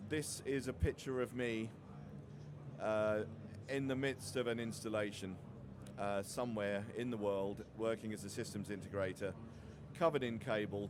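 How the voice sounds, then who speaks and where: Halting low-voiced man presenting amid clear noise. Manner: hesitant, halting delivery with frequent stumbles and repeated words. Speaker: industry conference presenter. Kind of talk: technical slide presentation. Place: open presentation area at a trade show. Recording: noisy busy trade show floor.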